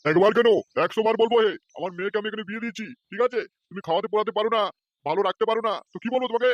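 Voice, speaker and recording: A man's voice: high voice, very fast, no echo, highs cut off, close to an everyday voice. A man voicing a stingy, scheming old father-in-law in a cartoon who whines and wheedles. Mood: wheedling. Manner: wheedling, self-pitying. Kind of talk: cartoon voice acting.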